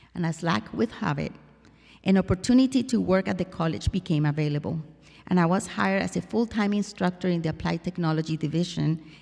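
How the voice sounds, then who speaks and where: Speaking in a Colombian accent, a woman uses a fairly low, dark and mellow voice with vocal fry and lively intonation at a fairly quick pace. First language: Spanish. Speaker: college president. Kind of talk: testimony.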